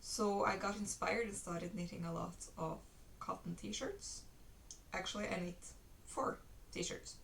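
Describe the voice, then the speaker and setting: A woman with a non-native accent speaks at a fairly slow pace, leaving long, frequent pauses. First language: not English. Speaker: knitting podcaster. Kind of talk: casual video podcast show-and-tell. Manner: hesitant, many fillers.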